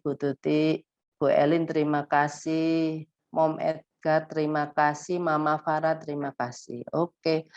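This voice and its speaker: A woman, an autism therapist giving a live-streamed lesson to parents, talking animatedly and mixing in English words. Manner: animated, acts out high exaggerated example phrases; mixes English words into her talk. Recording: dull lo-fi stream audio.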